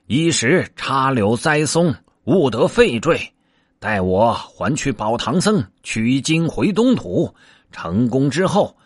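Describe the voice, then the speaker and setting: A man voicing a proud, quick-tempered male monkey king who speaks in a boastful, commanding way. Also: medium pitch, no room sound, studio quality, pitched above the performer's own voice.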